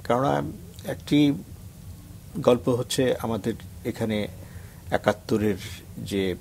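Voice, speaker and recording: Earnest Bangladeshi man, measured delivery. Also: mid-range voice, creaky, darkish tone, slight background noise. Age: middle-aged. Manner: measured and earnest, recites with swelling emphasis. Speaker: reciter guest. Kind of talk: reflective talk and poetry recitation. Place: TV studio.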